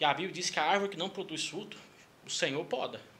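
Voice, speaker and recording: A man rushes through his words at a very fast pace while noticeable background noise plays. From Goiás, Brazil. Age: 20s. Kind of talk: casual interview with preaching.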